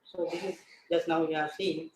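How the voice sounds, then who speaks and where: A man with an Indian accent hosts a live science demonstration, explaining deliberately and repeating his phrases and questions. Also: on the high side, flat delivery. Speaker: science show host. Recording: echoey room, faint background noise.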